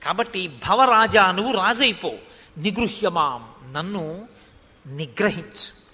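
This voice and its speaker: An old king, grieving and pleading with his departing son, as a preacher tells it in his own voice. The voice is high and bright. It rings with a long hall reverb. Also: lively intonation, slow pace, full character voice.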